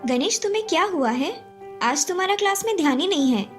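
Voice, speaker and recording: A woman's voice: extremely high pitch, animated, a little fast, over music. A woman voicing a kind, confident schoolgirl in a cartoon story, speaking encouragingly. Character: kind, confident girl who reassures her friend.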